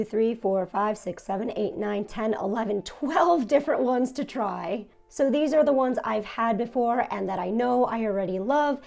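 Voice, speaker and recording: A young woman with a hoarse, raspy voice, worn down because she is nearly losing it. She keeps a subdued, near-monotone delivery that sits a little high for her, with gravelly fry running through it. Light music plays faintly behind her. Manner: subdued and monotone, with small laughs. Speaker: food vlogger. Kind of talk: casual food tasting vlog. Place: her home in Japan.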